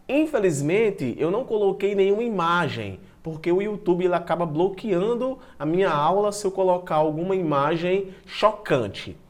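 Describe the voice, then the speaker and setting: A man giving an informal online lecture, reading from slides and commenting in a chatty way, sometimes tripping over technical words. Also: high voice. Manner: stumbles and restarts over long technical words, self-deprecating; chatty, addresses students directly. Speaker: biology teacher presenting an online class.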